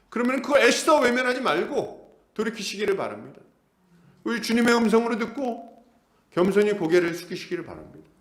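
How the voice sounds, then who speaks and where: A middle-aged male pastor preaching an expository sermon, animated and acting out the characters. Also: high voice, echoey room. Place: church hall.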